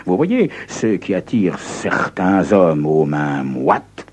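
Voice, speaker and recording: A man reading a first-person crime story aloud in a theatrical, expressive way. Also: low voice, takes it slowly, husky.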